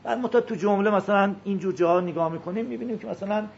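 A man giving a classroom lecture, explaining a text and slowly repeating words to show how to pronounce them. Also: high voice, gravelly, lo-fi sound, a little hiss or hum. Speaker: teacher.

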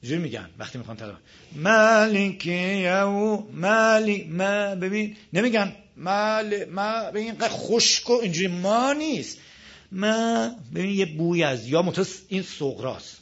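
High-voiced man teaching a recitation class. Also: big pitch swings, few pauses. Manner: patient, repeats rules, models pronunciations. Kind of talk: live class lecture on tajweed. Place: classroom with a board. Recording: dull lo-fi classroom recording.

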